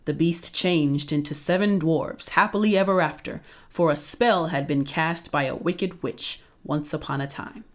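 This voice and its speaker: A big bullying giant booms out his threats as a woman reads him aloud. He sounds a little distant from the mic and lower than the bright characters around him. It is a storybook giant, blunt and menacing. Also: unhurried, few pauses.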